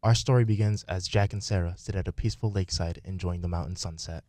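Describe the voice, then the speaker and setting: A man with a very low, mellow voice narrates a radio play. He reads the script in a theatrical storytelling style. The sound is dry and close. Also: steady tone, quick pace, no room sound. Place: radio studio, live performance.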